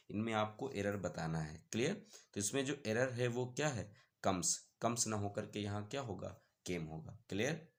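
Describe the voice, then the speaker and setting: A man teaching English grammar to students in Hindi, explaining step by step and often checking with "clear?". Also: fairly low pitch. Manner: reads example sentences slowly. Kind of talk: classroom grammar lesson.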